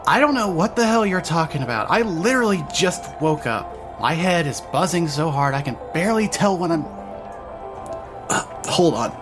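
A man's voice: on the high side, big pitch swings, moderate pace, over music. An actor with a male-sounding voice playing a groggy, irreverent young trans woman with a casual, sardonic manner in a fan-dub audio drama. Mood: groggy, irritated. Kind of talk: scripted first-person dialogue and narration.

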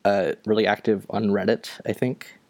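A young man from Ontario co-hosting a podcast, chatting casually in a halting way with many fillers. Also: fairly low pitch, flat delivery, darkish tone. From Ontario, Canada. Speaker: podcast co-host. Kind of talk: casual chat.

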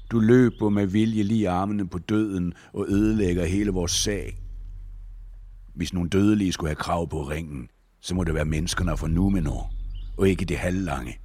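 A proud, desperate warrior, forceful and menacing, as a narrator voices him. The voice is extremely deep with a husky edge. It sits dry and close, with no room sound. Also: male voice, no echo. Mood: furious. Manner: pleading then accusing, forceful. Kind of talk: read-aloud book dialogue.

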